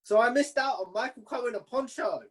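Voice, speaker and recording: A man's voice: very high-pitched, fast talker. A man hosting a casual interview in an informal, chatty way. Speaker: podcast interviewer and host.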